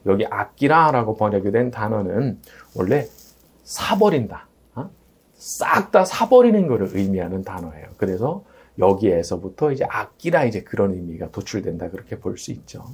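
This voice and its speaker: A man preaching a Sunday sermon as pastor, animated, often tossing in rhetorical questions. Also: on the low side, normal speed, breathy edge. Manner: animated, rises and drops sharply, asks rhetorical "어?".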